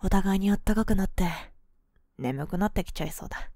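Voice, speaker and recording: A woman voicing a cool, boyish young woman, a possessive and sweetly manipulative lover, in an ASMR role-play of intimate pillow talk, soft, breathy and coaxing, close to the microphone. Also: medium pitch, brisk, dry recording, lightly acted. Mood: soothing, hypnotic. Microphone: close microphone, dry.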